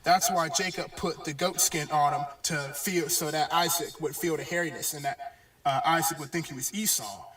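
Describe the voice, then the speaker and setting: A man giving a bible lesson in a halting way, with many pauses and fillers. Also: fairly high pitch, a bit bright. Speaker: religious teacher. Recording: echoey, distant video playback.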